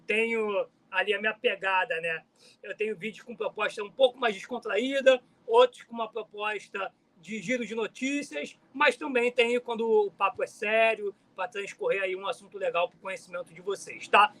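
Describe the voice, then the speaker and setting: An upbeat man guests on a casual football chat, greeting viewers in a friendly way. His voice is high and bright, with a forceful edge. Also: moderate pace. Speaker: guest channel host, Flamengo fan.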